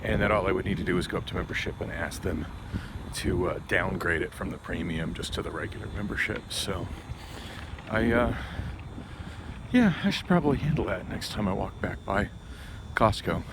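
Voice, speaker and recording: Strolling along a street outdoors, a man vlogs in a relaxed, wandering monologue at a moderate pace, his fairly low voice buffeted by heavy wind noise. He strays into tangents and then returns to his point.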